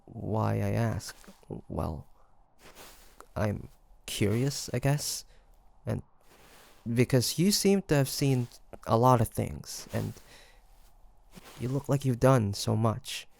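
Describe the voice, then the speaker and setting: A man's voice: medium pitch, expressive, takes it slowly, creaky, pauses often, darkish tone. A man playing a curious, teasing demon hunter in an audio roleplay, talking to the listener in a hesitant, conversational way. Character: male demon hunter traveler, curious, teasing, softly tsundere. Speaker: voice actor.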